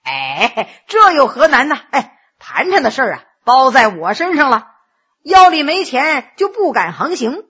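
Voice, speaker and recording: Jovial scheming scholar, male, teasing and boastful, played by a woman narrator; husky, animated. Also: sits high, measured pace, dull audio, heavily acted. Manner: teasing, boastful, many interjections.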